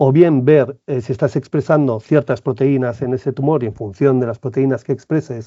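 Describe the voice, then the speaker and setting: Someone speaks at a fairly quick pace in a Basque accent. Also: man. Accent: Basque Spanish accent, noticeable. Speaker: biotech startup CEO, physicist. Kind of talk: casual interview conversation. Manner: hesitant, many fillers and restarts.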